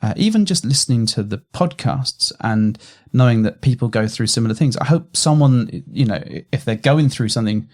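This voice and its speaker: A man's voice: mid-range voice, expressive, normal speed, hardly any pauses, darkish tone. A man co-hosting a podcast, offering earnest, rambling advice full of fillers and restarts. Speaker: podcast co-host. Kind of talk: casual podcast chat.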